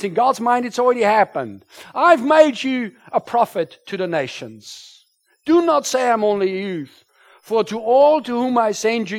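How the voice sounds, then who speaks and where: A man whose first language is German, preaching a sermon to a congregation, his voice rising loud when he quotes scripture. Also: high-pitched. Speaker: pastor. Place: church.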